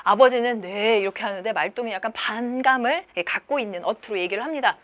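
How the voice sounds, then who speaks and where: A woman lecturer walks her students through a drama scene, explaining each line. Her voice sits high, and she checks in with short rhetorical questions as she goes. Her delivery stays patient and methodical. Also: fast talker, a bit bright. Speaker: literature lecturer. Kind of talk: exam-prep lecture.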